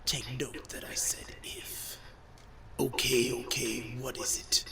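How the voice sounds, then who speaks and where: Slow, echoey evil talking skull. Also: male voice, medium pitch, level tone, gravelly, whispered. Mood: sly taunting. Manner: theatrical, sneering, drawn-out monologue delivery. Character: evil talking skull, pompous, gloating villain. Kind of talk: villain monologue in a video game. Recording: echoey, distant, crowd-like noise behind.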